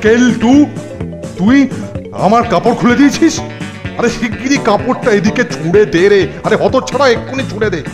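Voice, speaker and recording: An actor playing a fussy, easily flustered older school superintendent in a children's cartoon, blustering and repeating himself. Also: male voice, high-pitched, expressive, fairly quick. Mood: angry, scolding. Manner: blustering, repeats words in agitation. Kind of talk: exaggerated children's cartoon acting. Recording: music bed behind the voice.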